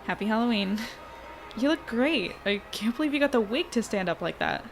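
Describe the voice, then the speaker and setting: A woman's voice: a little high, expressive, fairly quick, vocal fry, faint music behind. An actress playing a friendly, talkative, wry young woman in a naturally acted audio drama. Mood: wry, playful.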